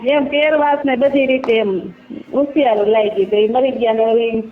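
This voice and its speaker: A woman's voice: fairly high pitch, steady tone, normal speed, slight background noise. A woman with a Kathiawadi Gujarati accent giving an informal personal account on a phone call, in colloquial rustic phrasing. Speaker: caller telling their own story. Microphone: telephone line. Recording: tinny narrowband phone call recording.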